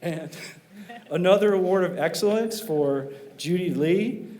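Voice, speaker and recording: A man's voice: high-pitched, measured pace, warm tone. A man, the superintendent, reading out board awards at a meeting, with frequent fillers between names. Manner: reads names with many um and uh fillers. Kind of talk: formal award presentation.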